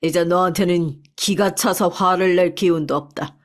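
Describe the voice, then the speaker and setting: A woman's voice: fairly low pitch, steady tone, moderate pace, close to an everyday voice. A woman voicing a stern parent who coldly scolds and disowns a grown daughter in a told story. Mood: contemptuous. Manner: icy, scornful scolding.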